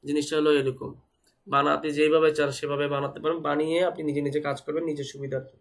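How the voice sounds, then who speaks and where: A feverish young man teaches a live online web development class, slowed in speech by his fever, explaining step by step and repeating and spelling out terms. He has a slightly high voice with vocal fry, delivered flat and very fast.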